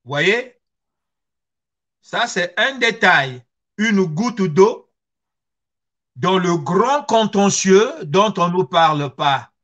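A man's voice: high-pitched, lively intonation, extremely slow, long pauses, fairly bright tone. A middle-aged man with a Congolese accent, giving personal testimony in an earnest, emphatic way with rhetorical questions. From Congo-Brazzaville. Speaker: guest speaker. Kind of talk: personal testimony on history and identity. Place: small furnished room at home, video call.

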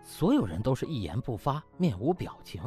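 A man's voice: mid-range voice, big pitch swings, brisk, mellow, soft background music. A man narrating a comic novel as an audiobook, with a theatrical, dramatic storytelling delivery.

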